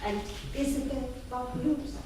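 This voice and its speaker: A fussy, fretful older Jewish matriarch played by a woman with a lilt, her voice on the high side. She exclaims and repeats herself, heard from a distance in a very echoey theatre. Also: a little slow. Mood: concerned, grateful. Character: fussy, anxious older Jewish mother and grandmother. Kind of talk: staged play reading. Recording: echoey theatre, distant mic, faint noise.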